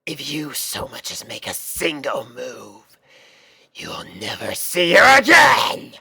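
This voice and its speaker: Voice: medium pitch, wildly swooping pitch, slow pace, vocal fry, bright, forceful tone, slightly rough, no echo, studio quality, exaggerated voice. Narrator doing a evil ninja pony guy, threatening, over the top, swoops up and down, storybook villain. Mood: menacing. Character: menacing male lead ninja pony, villain.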